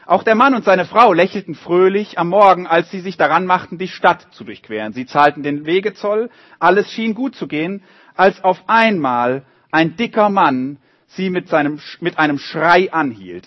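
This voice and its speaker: A man reading a story aloud to a group of children and drawing pictures along with it, in a lively, animated way. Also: sits high, normal speed, no echo, highs cut off.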